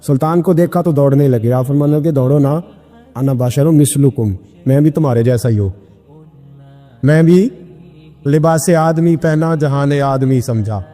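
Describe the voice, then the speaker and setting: A man preaching a sermon, telling stories and acting out the voices of the people in them, rising to loud emphatic peaks. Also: on the high side. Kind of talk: sermon storytelling. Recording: long hall reverb with faint music.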